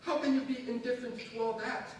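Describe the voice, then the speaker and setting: A man in a staged reading playing a domineering, menacing secularist strongman, emphatic and theatrical, with deliberate pauses. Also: extremely high pitch, fairly even intonation, far from the mic. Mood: impassioned. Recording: echoey stage from afar, faint noise.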